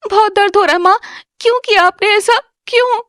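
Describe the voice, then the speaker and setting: A woman voicing a gentle, pleading young stepdaughter in an animated story. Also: extremely high pitch, normal speed, no echo, clean studio sound, voice pushed up. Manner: pleading, soft-spoken.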